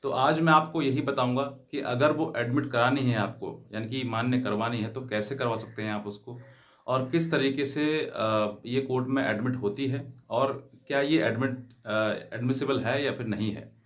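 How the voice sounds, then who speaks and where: A man hosts a legal advice channel, explaining things to viewers, often rephrasing himself and glossing English terms in Hindi. He has a mid-range, slightly bright voice at normal speed.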